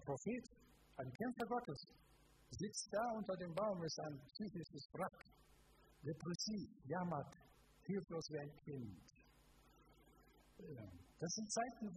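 Guy preaching at church, fairly high voice, keeps asking the crowd questions, lots of noise on the tape. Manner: emphatic, asks the congregation direct questions. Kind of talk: live sermon. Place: church service before a congregation.

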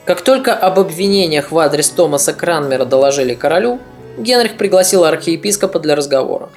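A podcast narrator reading a scripted history story in a steady, even manner. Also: mid-range voice, brisk, faint music behind.

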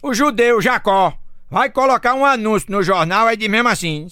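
High-voiced Northeastern Brazilian joke teller. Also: male voice, moderate pace, clean tone. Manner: lively storyteller, slangy, laughs at own punchlines, acts out squealing women. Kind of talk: telling crude jokes.

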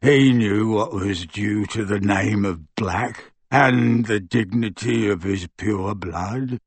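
A man voicing a wretched, servile old male house-elf with a croaking voice, speaking slowly and pleadingly in an audiobook. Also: lowish voice, no echo, voice pushed down, heavily acted. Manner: slow, pleading, sobbing in distress. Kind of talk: audiobook character voice.

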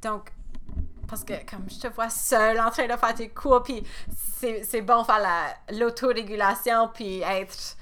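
A woman's voice: a little high, fairly even intonation, a little slow, bright, forceful tone. A woman who hosts a podcast and works as an educator, asking reflective questions and encouraging her guest. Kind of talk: podcast interview.

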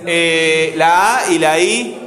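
A man's voice: fairly high pitch, drawn-out words, roomy sound, a crowd in the background. A man teaching a grammar class in a Rioplatense Spanish accent, patiently repeating his questions to the students.

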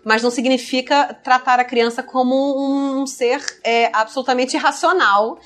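Animated woman explaining with analogies. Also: sits high, normal speed. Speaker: speech therapist guest. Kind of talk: casual interview chat.

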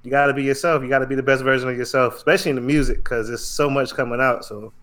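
A man co-hosting a podcast, chatting in a relaxed, reflective and agreeable way. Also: medium pitch, racing. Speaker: podcast co-host. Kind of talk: casual podcast chat.

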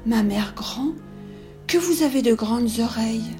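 A woman's voice: on the high side, measured pace, warm tone, soft background music, lightly acted. A woman voicing a sweet, trusting little girl in a red hood in a read-aloud fairy tale. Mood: wondering.

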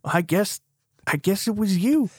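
A man's voice: high voice, expressive, measured pace, husky, no echo, studio quality. A man co-hosting a podcast, chiming in with casual, sarcastic, comedic remarks. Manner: sarcastic, wry interjections. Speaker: podcast co-host. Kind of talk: casual comedic banter and reactions.

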